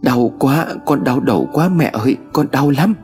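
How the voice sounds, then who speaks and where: A man voicing a frightened, hysterical young woman patient with a shrill, pleading voice. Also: expressive, normal speed, a little mellow, soft background music, natural voice. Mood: tearful.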